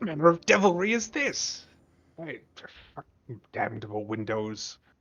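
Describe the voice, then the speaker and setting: Using a put-on character voice, a man speaks with a raspy, high pitch that swings very widely. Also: moderate pace, big swings in loudness. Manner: irritated.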